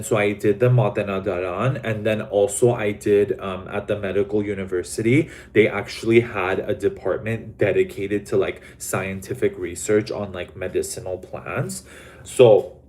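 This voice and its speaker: Chatting with live viewers, a young Los Angeles livestream host rambles, peppering his talk with "like" and "um" and cursing bluntly. He's from Los Angeles, USA, and his voice is fairly low-pitched and a little mellow.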